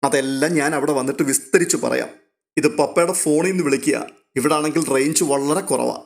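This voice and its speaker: A man's voice: fairly high pitch, brisk, vocal fry. A man voicing a playful, teasing woman, like an elder sister giving clues over the phone.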